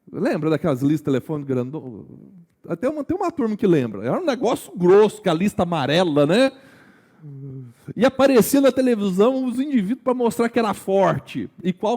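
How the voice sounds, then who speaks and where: A Brazilian man preaching a sermon in a conversational way. He keeps asking his congregation questions, sometimes dropping to a slow hush and sometimes rising with energy. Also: high-pitched. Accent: Brazilian Portuguese. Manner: swings between hushed, slow emphasis and raised, energetic delivery. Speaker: pastor.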